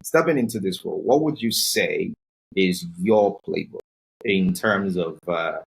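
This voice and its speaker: Male podcast host, very low, husky voice; loose, filler-heavy questions. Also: a little slow, low-quality recording. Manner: friendly, rambling, many fillers. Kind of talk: interview questions.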